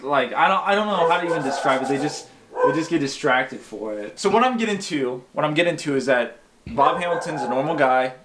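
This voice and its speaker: A man hosting a casual comedic reaction chat, repeating phrases for emphasis. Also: mid-range voice. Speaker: host. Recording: faint background noise.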